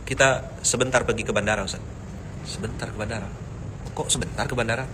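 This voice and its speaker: A man preaching a lively sermon with jokes, swinging between loud emphasis and soft asides and chanting verses. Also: on the low side, fast, noisy background. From Pontianak, Indonesia. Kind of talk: lively mosque sermon with jokes and audience banter.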